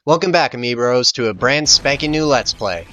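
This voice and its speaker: A man's voice: mid-range voice, animated, normal speed, a bit bright. A man hosting a video game Let's Play with showy, sarcastic, scripted commentary. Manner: playful, sarcastic, showy intro delivery. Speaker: host of a Let's Play series.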